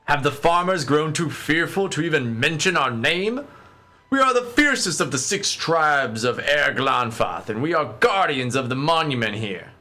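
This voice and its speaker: Fierce tribal spear hunter played by a man, bright forceful voice, taunting, hammy amateur delivery for a fantasy game. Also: a little high, animated, normal speed. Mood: scornful, proud. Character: menacing fierce tribal hunter guarding ruins, grinning with spear.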